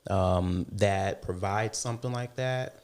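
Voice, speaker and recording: A man's voice: on the low side, slow, darkish tone, smooth. A young man from Alabama, a podcast guest talking over his business goals in a reflective way, with many fillers and restarts. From Alabama, USA. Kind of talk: casual conversation.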